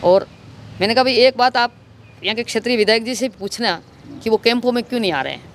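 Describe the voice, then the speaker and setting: A man with a Rajasthani accent and a high-pitched voice recounts an incident as an interviewee. He speaks into a reporter's handheld microphone outdoors, with faint street noise behind him. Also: fast talker, a bit bright. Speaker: local political party worker, interviewee. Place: outdoors in an office compound.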